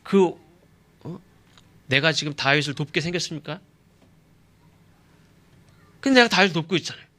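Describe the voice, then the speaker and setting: A man's voice: fairly high pitch, moderate pace, long pauses, pushed and bright. A man voicing an indignant young prince, a loyal friend who feels wronged and complains with rhetorical questions. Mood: indignant, aggrieved.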